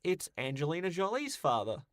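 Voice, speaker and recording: A man's voice: on the high side, huge pitch swings, fairly quick, a bit bright, dry recording, clean studio sound. A man co-hosting a podcast, discussing films and games casually in a playful, joking manner. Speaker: podcast co-host.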